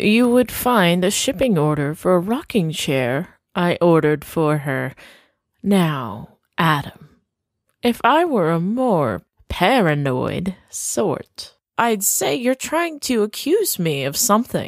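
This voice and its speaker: The voice is a put-on character voice at a middle pitch. The pace is fairly slow. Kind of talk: 1920s noir audio drama. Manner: genteel, coolly menacing.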